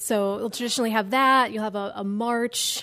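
Very fast, monotone, flat speech from a woman with a fairly high pitch and an American accent, music in the background. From western New York. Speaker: fiddler and violist. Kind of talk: casual interview. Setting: stage with audience.

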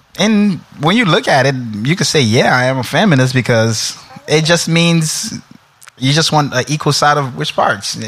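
Noticeable background noise sits behind a man with an American accent whose fairly high voice has lively intonation. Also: moderate pace. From Brooklyn, New York. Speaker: podcast guest. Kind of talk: casual chat.

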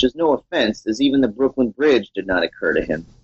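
The speaker is a man. He has an American accent. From US Midwest, Cleveland, Ohio. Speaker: poet and English professor. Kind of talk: interview; poetry reading.

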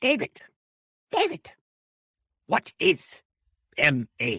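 A put-on character voice in a strong Ugandan accent. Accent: thick Ugandan.

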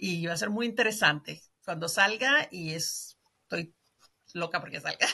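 A woman with an unremarkable speaking voice, fairly low in pitch, at a fairly slow pace with lively intonation. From Puerto Rico, Isabela. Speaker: historian and author. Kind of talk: interview.

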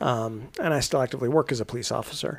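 A man with an American accent and a normal speaking voice, medium in pitch with ordinary pitch variation, at a fairly quick pace on a very clean recording with a silent background. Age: 40s. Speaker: paranormal investigator, retired police officer. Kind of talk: casual chat.

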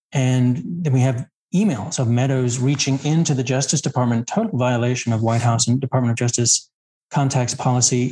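Dark, mellow, somewhat breathy male voice at a medium pitch, with ordinary pitch variation and a moderate pace. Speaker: law professor, co-host. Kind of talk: political discussion. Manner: calm; measured.

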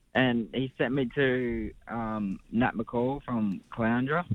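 A man with an Australian accent talks at a medium pitch with ordinary pitch variation. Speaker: apprentice jockey. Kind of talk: interview. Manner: halting.

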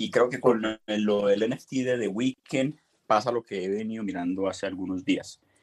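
Recorded with a dry, close sound with no echo and a quiet background, a man speaks in a normal speaking voice at a fairly low pitch. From Colombia. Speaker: caller. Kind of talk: casual question from caller.

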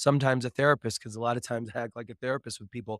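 A man speaks at medium pitch with an ordinary speaking voice. His intonation is fairly even, and the sound is dry and close with no echo. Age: 40s. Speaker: mind coach and hypnotherapist. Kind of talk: interview conversation.

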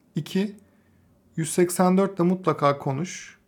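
The recording here is very clean, with total silence behind it. The speaker is a man. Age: 30s. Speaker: podcast host. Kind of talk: personal monologue.

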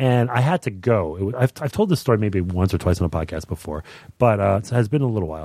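Speaking at a very fast pace in a Montreal accent, a man with a fairly low pitch and a dark, mellow tone has lively intonation on a very clean recording with a silent background. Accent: Canadian English (Montreal). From Montreal, Quebec. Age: 40s. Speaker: sportswriter. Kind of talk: casual chat.

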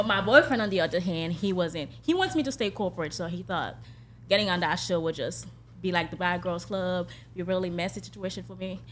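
With a Haitian accent, a woman talks at a fairly quick pace in a fairly low pitch with ordinary pitch variation, against noticeable background noise. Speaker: reality show cast member. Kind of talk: casual chat. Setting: studio.

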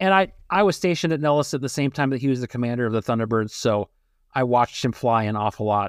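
A man with a Minnesotan accent, lively intonation and a very fast pace, on a very clean recording with a silent background and a dry, close sound with no echo. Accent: Minnesota. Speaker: podcast host and pilot. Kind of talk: casual chat; ad read.

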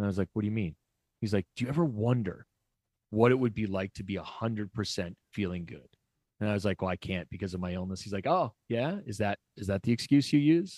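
A man with a plain, everyday voice talks fairly quickly at a fairly low pitch with ordinary pitch variation, in a dry, close sound with no echo. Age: 40s. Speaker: social impact entrepreneur and chef. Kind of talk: casual chat.

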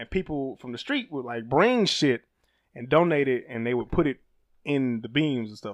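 Against a quiet background, a man's fairly high voice moves at a moderate pace with a dry, close sound and no echo. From Alabama, US South. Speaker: podcast host. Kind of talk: casual chat.

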